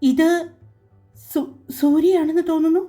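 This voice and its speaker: A woman voicing a worried young man in a spoken story, a colleague who hesitates before he speaks. His lines come a little louder, with faint music behind. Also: very high voice, steady tone, unhurried, voice pushed up. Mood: concerned.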